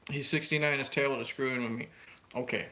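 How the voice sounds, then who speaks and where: A man's voice: medium pitch, fairly even intonation, fast, rough recording. A man co-hosting a casual livestream, teasing his friend and laughing along. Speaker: livestream co-host.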